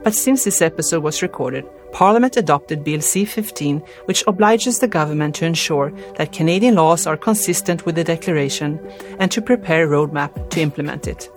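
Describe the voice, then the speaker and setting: A woman's voice: deep voice, fairly quick, faint music behind. Swedish-accented woman hosting a podcast. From Sweden. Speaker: podcast host. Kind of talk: scripted intro and interview questions.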